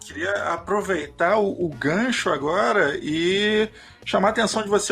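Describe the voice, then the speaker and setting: A man with a Rio de Janeiro accent, high pitch, and ordinary pitch variation, amid noticeable background noise. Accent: carioca. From Rio de Janeiro, Brazil. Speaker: podcast co-host. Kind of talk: casual podcast chat. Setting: podcast recording.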